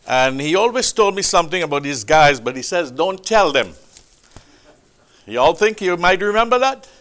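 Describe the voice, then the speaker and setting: A man preaching a sermon, with a loud, booming, emphatic delivery, speaking into a microphone in a church hall. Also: very animated, normal speed. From Trinidad. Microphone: handheld or stand mic.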